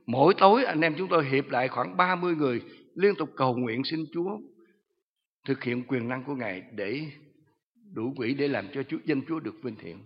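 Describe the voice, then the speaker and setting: Earnest pastor telling a story. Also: male voice, medium pitch, brisk, breathy edge, in a large hall, highs cut off. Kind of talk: sermon testimony.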